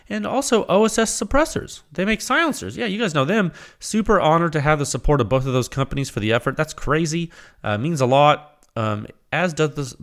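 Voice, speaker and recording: A man's voice: mid-range voice, gravelly. A man hosting his own podcast, talking casually with lots of fillers, enthusiastic, while losing his voice. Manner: casual, filler-heavy, enthusiastic with frequent "you know". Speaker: podcast host. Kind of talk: solo podcast monologue.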